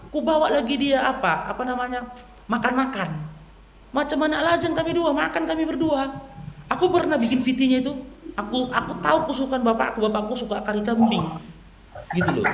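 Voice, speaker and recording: A man's voice: very high voice, reverberant, a little hiss or hum. A man from Medan with a Medan Indonesian accent, a Muslim preacher and channel host giving a persuasive religious talk to a listener and acting out quoted dialogue as he tells stories. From Medan, North Sumatra. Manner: lively storyteller who acts out quoted dialogue.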